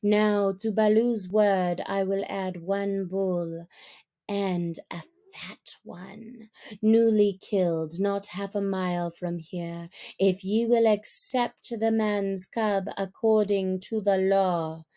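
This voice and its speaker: A woman voicing a cunning male black panther with a soft, purring, courtly and deliberate way of speaking, in a storybook reading. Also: medium pitch, steady tone. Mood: smooth, persuasive.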